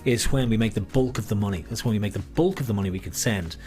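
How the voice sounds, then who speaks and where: A man's voice: fairly low pitch, fast talker, darkish tone. A man working as a bingo caller and host, chatting jokily to players and calling numbers with playful nicknames, often repeating himself.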